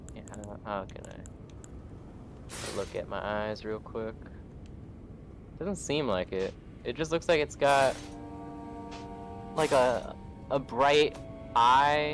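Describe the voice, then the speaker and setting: A quiet man with a medium pitch talks very slowly, with lively intonation, big swings in loudness and long, frequent pauses over music in the background. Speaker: gamer. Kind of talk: casual chat.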